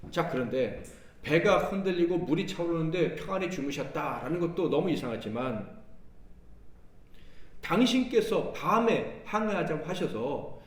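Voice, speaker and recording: A Korean pastor preaches a Sunday sermon with a lively voice that rises and falls. He acts out the lines of the story and keeps putting questions to the listeners. He sits somewhat high in pitch and sounds distant in an echoey church hall. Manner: animated preaching that acts out Jesus' and the disciples' words; asks the congregation questions. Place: church sanctuary.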